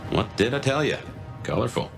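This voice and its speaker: A man's voice: medium pitch, animated, a little fast, gravelly, over music. An actor playing a world-weary, streetwise male companion in a video game, dry, sardonic and casual. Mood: dry, wry.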